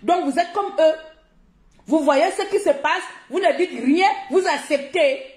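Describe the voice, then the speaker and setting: High-voiced Gabonese woman ranting angrily. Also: unhurried, a little mellow. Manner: confrontational, scolding, repeats herself for emphasis. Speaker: social media live streamer. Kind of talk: heated live-stream rant. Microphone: phone. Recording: echoey room.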